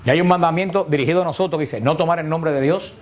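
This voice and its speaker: A man's voice: fairly high pitch, fast, slight background noise. A man teaching a catechesis lesson to a group, explaining step by step and posing rhetorical questions that he answers himself.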